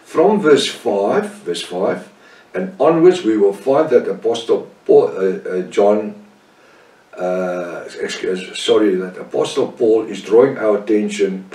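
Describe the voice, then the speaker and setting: An older man from South Africa with an Afrikaans-tinged accent, leading a Bible study with slow, deliberate delivery, pausing on fillers and correcting himself. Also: fairly low pitch, dark tone, echoey room, far from the mic. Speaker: Bible teacher.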